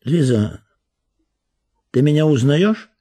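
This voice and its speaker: A man reading the lines of a weary middle-aged man returning home, quiet and muffled. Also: a little high, animated, takes it slowly, in a large hall. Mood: musing.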